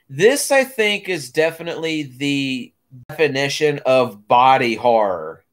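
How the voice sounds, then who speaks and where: A man talks with very wide pitch swings. Behind him, the background is quiet. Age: 20s. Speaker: movie reviewer. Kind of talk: casual film review chat. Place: home room. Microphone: camera far.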